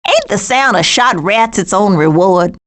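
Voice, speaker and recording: A woman with an American accent voicing a cranky, dry-witted female skunk in an animated video game, with a sassy, sardonic and folksy manner. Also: medium pitch, unhurried. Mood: sassy, deadpan.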